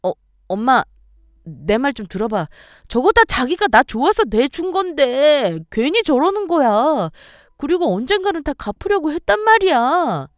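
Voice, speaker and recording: Woman acting a nasty entitled sister-in-law, yelling insults, story radio drama, dry recording. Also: high voice, big pitch swings, measured pace, no echo, voice pushed up. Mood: whiny. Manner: shouting insults, loud and belligerent.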